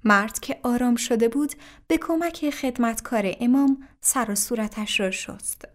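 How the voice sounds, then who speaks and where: Woman storyteller, high voice, even careful reading, religious tale. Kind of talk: scripted story narration.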